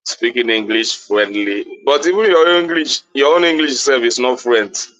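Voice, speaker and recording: A man's voice: mid-range voice, animated, normal speed, crowd noise, poor audio. A Nigerian man whose first language is Igbo, speaking defensively as a panelist in a live online discussion. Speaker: panelist on a live audio show.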